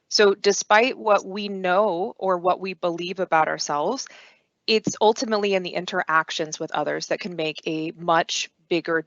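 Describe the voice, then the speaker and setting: A woman in her thirties presents to an online conference in a steady, clearly paced way. Her voice sits a little low for a woman. The sound is dry and dull, like a lo-fi computer mic. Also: no room sound. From United States. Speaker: conference speaker.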